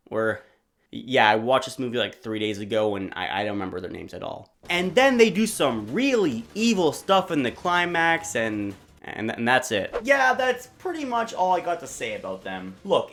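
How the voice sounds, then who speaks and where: Young adult woman, video essay host, slightly low pitch, highly animated intonation, casual slangy delivery, opinionated, dry asides. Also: moderate pace. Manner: casual and slangy with mild swearing. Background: background music.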